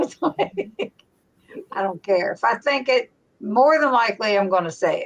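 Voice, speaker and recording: At a moderate pace, a woman speaks with lively intonation in an unremarkable speaking voice pitched fairly high. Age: 60s. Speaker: YouTuber.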